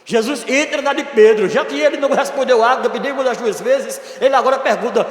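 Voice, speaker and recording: Brazilian male church elder, high voice, earnest sermon, booming church reverb. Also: a little fast. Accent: Brazilian Portuguese. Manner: earnest, emphatic preaching with bursts of loud stress and softer dramatic drops. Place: church hall. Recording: echoey church hall with long reverb.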